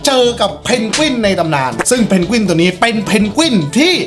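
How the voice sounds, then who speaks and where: Brief: high-voiced man, very lively pitch, animated improvised storyteller, music behind. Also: fairly quick. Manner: animated, exclaims and laughs often. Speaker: host of an improvised storytelling game. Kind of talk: improvised storytelling game among friends.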